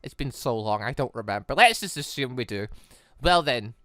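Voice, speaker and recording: Bright, animated let's play commentator. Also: medium pitch, normal speed, no echo, studio quality. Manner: rambling, expressive, emphatic. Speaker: gaming YouTuber, let's play host. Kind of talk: casual let's play commentary with reading dialogue aloud. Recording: game music playing behind voice. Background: visual novel game music.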